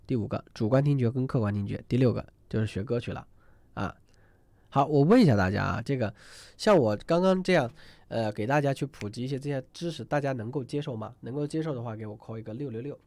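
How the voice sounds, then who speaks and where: A man with a medium-pitched, slightly mellow voice talks fast in a dry recording with no echo. He's running a live online singing class, rambling chattily with lots of fillers and restarts, and keeps asking students to type numbers into the chat.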